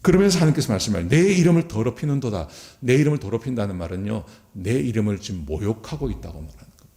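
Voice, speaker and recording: A man's voice: on the low side, rapid-fire. A man preaching a sermon as a pastor, addressing the congregation directly and acting out quoted speech. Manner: acts out quoted speech in lively voices.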